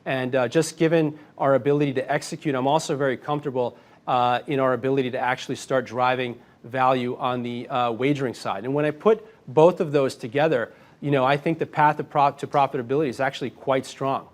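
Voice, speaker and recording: A man speaking as a company executive, answering analysts on an earnings call in a confident, measured way. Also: mid-range voice, fairly even intonation.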